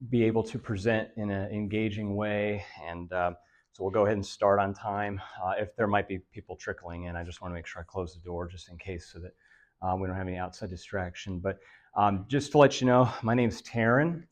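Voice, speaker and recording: A man presenting a health lecture to seniors in a meeting room, his voice raspy and nasal and a bit dry from allergies, talking in a monotone with many fillers. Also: lowish voice, a little fast. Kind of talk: live lecture to a senior audience.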